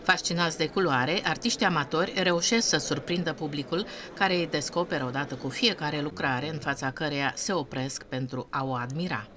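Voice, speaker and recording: A woman reporter narrating a scripted news piece in a measured, even way. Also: low-pitched, background noise.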